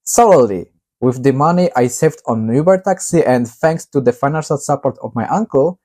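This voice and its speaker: Guy reading his own novel out loud, warm mellow tone, steady with lots of little pauses. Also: mid-range voice. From Poland. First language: Polish. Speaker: author.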